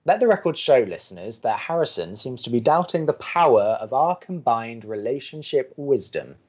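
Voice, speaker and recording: A man's voice: mid-range voice, sing-song, moderate pace, a little mellow. A young man acting a dry-witted, sceptical college radio co-host who argues with reason in a scripted romantic comedy audio drama. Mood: sceptical, teasing. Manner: wry, sardonic, reasoning.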